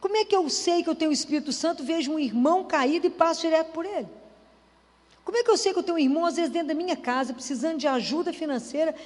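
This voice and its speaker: A woman's voice: very high-pitched, racing. A woman giving a conversational sermon, acting out little dialogues as she preaches. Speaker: Catholic speaker. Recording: reverberant hall.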